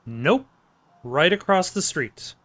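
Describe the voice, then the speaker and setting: A man's voice: on the high side, animated, slow pace, fairly bright tone. A man hosting a casual gameplay commentary with dry, joking asides. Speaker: gameplay host. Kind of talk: casual let's play commentary. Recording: game music behind the voice.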